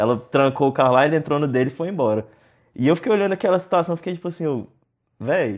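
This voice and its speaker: Against a quiet background, a man talks with lively intonation at a fairly high pitch for a man. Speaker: podcast host. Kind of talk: casual interview chat.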